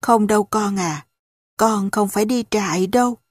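Woman reading a gentle foster mother. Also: medium pitch, moderate pace, husky, no echo, clean studio sound, natural voice. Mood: soothing. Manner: soothing, reassuring.

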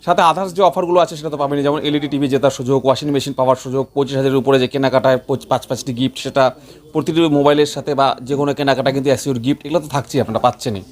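Very fast-talking West Bengali salesman. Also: medium pitch, steady tone. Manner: emphatic, repetitive listing of offers. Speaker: showroom promoter. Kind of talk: promotional sales pitch to camera.

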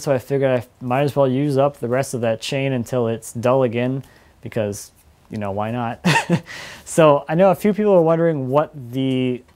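A young man hosting a casual weekly woodworking update from his home shop, relaxed and laughing often between points. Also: mid-range voice. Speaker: woodworking video host.

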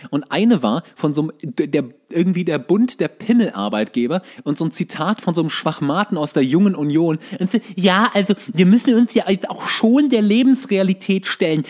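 A man's voice: a little high, a little mellow. A man co-hosting a podcast in casual comedic chat, with a sarcastic, coarse, ranting way of talking. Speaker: podcast co-host.

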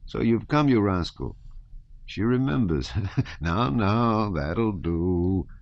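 A man's voice: on the low side, sing-song, measured pace, a little mellow, voice pushed up. A man voicing a small, kindly Russian peasant soldier who talks in a tender, caressing sing-song. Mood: fond scolding. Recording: dull, roomy audiobook recording.

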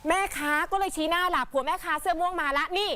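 A woman news presenter lively describing video footage, acting out what people in the clips said. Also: extremely high pitch, fast. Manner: animated, acts out quotes while narrating footage.

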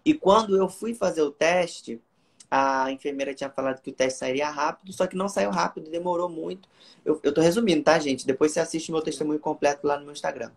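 Young Carioca man, fairly high voice, earnest testimony storyteller. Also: quick pace, gravelly. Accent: Carioca Brazilian Portuguese. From Rio de Janeiro, Brazil. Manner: earnest storytelling, reenacting dialogue. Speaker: guest giving testimony. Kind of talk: emotional personal testimony.

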